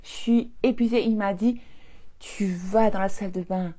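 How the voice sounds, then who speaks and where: A woman in her fifties, a holistic coach, chatting casually on a live stream, telling lively stories and laughing often. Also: mid-range voice, normal speed.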